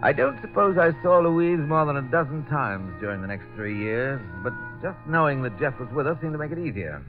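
An actor playing a haunted bomb-disposal captain who tells his story in a quiet, brooding way, in 1940s radio acting style. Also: fairly high pitch, big pitch swings, fairly quick, music in the background. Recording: lo-fi old radio recording.

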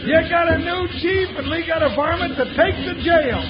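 An actor playing an excitable, folksy cowboy sidekick who drawls and stammers in a 1950s radio western. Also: male voice, very high voice, a little slow. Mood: jubilant. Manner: drawling, stammering, exclamatory frontier talk. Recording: muffled old radio transcription with hiss.

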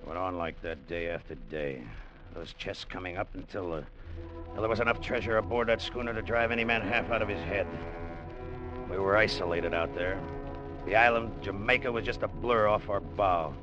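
Brief: a man playing a low-voiced scheming sailor, tough narration, muffled old radio broadcast with music. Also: moderate pace, natural voice. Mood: brooding. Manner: tough first-person narration. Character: scheming male sailor-diver plotting to take the treasure. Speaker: narrator and lead character. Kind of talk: 1940s radio acting.

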